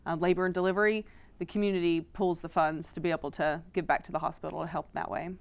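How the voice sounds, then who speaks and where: A woman's voice: fairly low pitch, level tone, fast, smooth. A middle-aged woman from Florida, a foundation director, answering interview questions in a studio in a friendly, informative way with frequent "um" fillers. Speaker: foundation executive director, guest.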